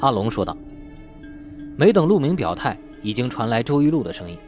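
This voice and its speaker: Male audiobook narrator with lively intonation. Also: mid-range voice, a little fast, faint music behind. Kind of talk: scripted novel narration.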